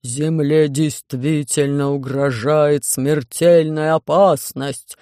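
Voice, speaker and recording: Reader plays a huge hot-tempered alien captain, slow, loud, growling. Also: medium pitch, steady tone, no echo, studio quality, natural voice. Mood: gruff shouting. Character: huge clawed male alien expedition chief, hot-tempered. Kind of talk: audiobook character voice.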